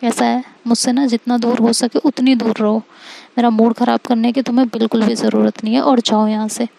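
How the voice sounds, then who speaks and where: A woman's voice: on the high side, little pitch movement, fairly quick, creaky, dark tone, rough recording. A woman doing a sulky, jealous young wife. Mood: angry.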